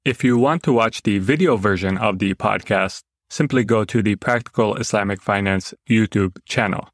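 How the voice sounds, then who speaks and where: A podcast host with a lowish voice reads the intro at a normal speed, then questions his guest in a friendly, upbeat manner. The recording is dry.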